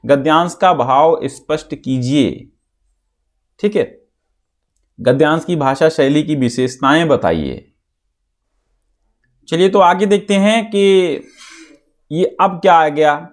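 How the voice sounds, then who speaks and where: A man teaching an exam-prep lesson, explaining step by step and reciting verse slowly. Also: fairly high pitch, expressive.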